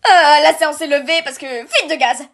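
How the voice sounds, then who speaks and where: A woman's voice: high voice, fairly quick, creaky, fairly bright tone. A woman playing a female robot squad leader in a cartoon fan dub, chirpy with office jargon and brittle professional composure. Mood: brisk, confiding. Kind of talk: scripted fan dub of an animated series.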